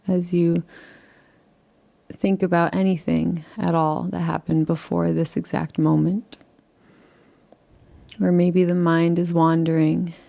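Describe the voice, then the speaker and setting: Meditation guide, woman: low-pitched voice with vocal fry, soft and unhurried, gently inviting. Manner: soft, unhurried and soothing, with long pauses; gently invites rather than instructs. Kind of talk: guided relaxation.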